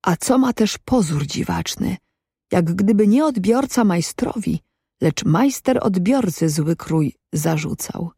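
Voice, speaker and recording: Reader doing a solemn old-fashioned black goat, slow preachy musing, husky warm tone. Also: mid-range voice, no echo, studio quality, full character voice. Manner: archaic, ponderous moralizing. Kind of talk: audiobook reading.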